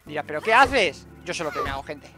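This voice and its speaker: Excitable high-voiced man gaming. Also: quick pace, over music. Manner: excitable, talks to viewers as "gente". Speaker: gaming streamer. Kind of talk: let's play commentary.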